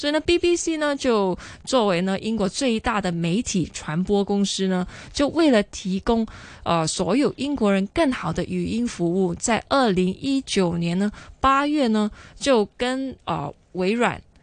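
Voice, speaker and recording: A woman with a Hong Kong accent speaks at a medium pitch and a fairly slow pace, against a quiet background. Her pitch swings very widely. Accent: Hong Kong Cantonese-accented Mandarin. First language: Cantonese (speaking Chinese). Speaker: tech industry association director. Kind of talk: casual chat. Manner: halting, many fillers.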